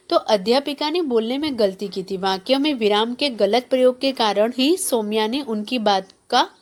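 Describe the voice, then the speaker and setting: A woman teacher giving a grammar lesson to schoolchildren, reading from the textbook and asking the class questions. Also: on the high side. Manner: explains, then repeats points as questions to the class; reads textbook passages aloud, then explains them.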